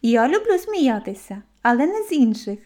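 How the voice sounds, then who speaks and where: A woman's voice: sits high, very animated, moderate pace, a little mellow, pitched above the performer's own voice. A woman voicing a cheerful, playful young female squirrel who teases kindly and speaks sensibly. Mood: teasing. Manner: teasing, giggly, sensible.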